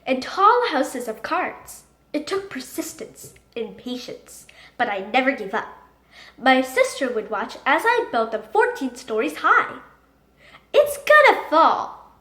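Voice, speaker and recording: A woman reading a children's book aloud in an expressive, dramatic storytelling manner. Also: sits high, a little slow. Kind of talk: animated storybook narration. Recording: echoey room.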